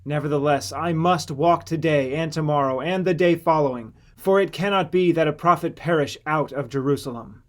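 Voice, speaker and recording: A man's voice: fairly high pitch, moderate pace, few pauses, natural voice. A man reading the part of a firm, authoritative male preacher in a scripture audiobook, in a solemn, declamatory manner. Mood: firm, emphatic.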